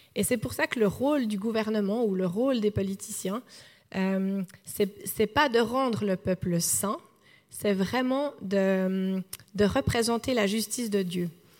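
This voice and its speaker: A woman speaks at a very slow pace in a medium pitch with ordinary pitch variation. The recording is very clean, the background silent. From French-speaking Switzerland, Morges (Vaud). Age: 40s. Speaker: mayor and churchgoer giving a talk. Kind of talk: church talk.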